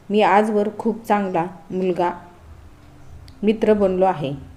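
A confident young man teases his bride-to-be in a spoken storybook, playful and full of self-assurance, read by a woman. His voice comes across mellow and warm rather than sharp. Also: mid-range voice, natural voice.

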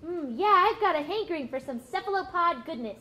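An eager young whale, played by a woman in a puppet show, talks with wide-eyed enthusiasm. Her voice sits very high. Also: animated, fairly quick, bright, forceful tone, a little hiss or hum, full character voice. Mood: curious. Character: young female sperm whale, curious and eager.

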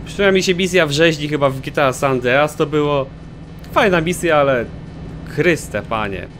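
Hyped guy narrating his gameplay, bouncy pitch, noisy game sound behind. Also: normal speed. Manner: excitable, swears a lot. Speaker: gaming commentator. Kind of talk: let's play commentary.

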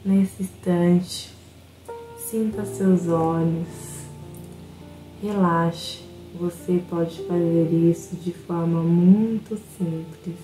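A woman with a Brazilian Portuguese accent leads a guided self-hypnosis session, speaking very slowly, calmly and instructively. Her voice is mellow and warm, and sits low for a woman. It echoes in a roomy space with faint instrumental music behind. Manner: slow, soothing, instructive.

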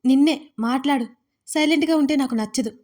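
Woman reading harsh commanding young husband for audio storybook, sharp scolding questions, fairly high voice. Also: a little fast, natural voice. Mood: angry, demanding.

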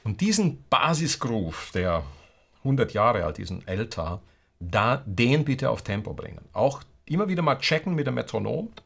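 Guitar sounds accompany a man whose mid-range, sing-song voice carries vocal fry, a slight brightness, and a breathy edge at normal speed. In his lesson on strumming rhythms, he counts the beats aloud and sings fragments of rock songs.

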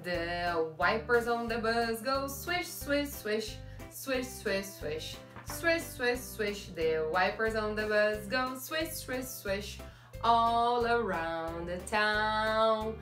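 A woman's voice: fairly high pitch, animated, very slow, a bit bright, soft background music. A young woman teacher reading a picture book aloud to children and singing along, cheerful and sing-song, recorded in front of a camera in a small classroom corner.

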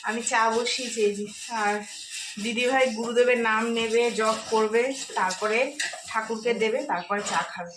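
A woman's voice: a little high, steady tone, normal speed, background noise. Chatty middle-aged woman vlogging on a phone. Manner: chatty, addresses viewers directly; hushed in places so as not to wake sleepers. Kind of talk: casual walk-through vlog. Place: old house, rooftop and rooms.

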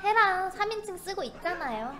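A woman's voice: extremely high pitch, lively intonation, normal speed. A young woman streamer chatting casually in a cutesy, teasing way with her co-host.

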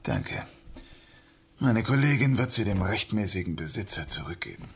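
An actor playing a considerate, awkward young male police inspector in an audio drama, speaking haltingly. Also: lowish voice, very animated, creaky, breathy edge, exaggerated voice. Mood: gentle, awkward. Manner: hesitant, halting.

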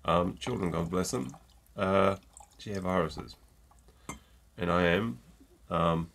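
Stuffy-nosed man with a deep gravelly voice. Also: slow pace, fairly bright tone, a little hiss or hum. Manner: chatty and jokey, with many ums. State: stuffy nose from a cold. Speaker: gin reviewer. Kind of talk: casual tasting chat to camera. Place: home room with shelves of bottles. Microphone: desk mic close up.

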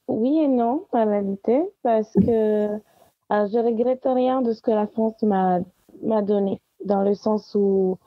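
A woman's voice: mid-range voice, creaky, no room sound. A woman from Italy, speaking French as a podcast guest and sharing personal testimony in conversation. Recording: dry, dull lo-fi sound.

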